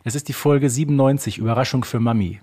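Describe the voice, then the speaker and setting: A man's voice: mid-range voice, fast talker, a little mellow, breathy edge. A man chatting casually as co-host of a fan quiz podcast.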